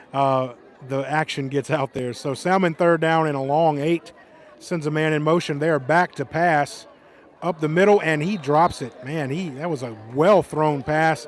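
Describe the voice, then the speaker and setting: A man's fairly high, fairly even voice at a fairly slow pace, with noticeable background noise. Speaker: football play-by-play announcer. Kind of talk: live commentary. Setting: stadium near the band. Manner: loud.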